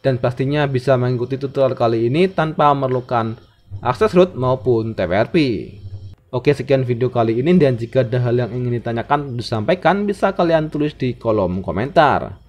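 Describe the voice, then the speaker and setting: A man's voice: medium pitch, expressive, brisk, darkish tone. A man hosting a tech tutorial in methodical, scripted narration. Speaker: tech channel host. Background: background music.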